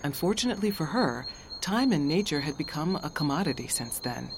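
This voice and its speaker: A woman narrating a speculative audio drama as a measured storyteller with scripted delivery. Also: low-pitched, very animated, background noise. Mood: measured, wry. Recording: birds and crickets behind the voice.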